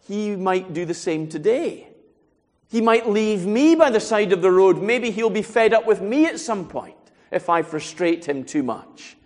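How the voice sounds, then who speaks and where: A man's voice: on the high side, long reverb tail. A man preaching a sermon, earnest and asking rhetorical questions as he works through a Bible passage.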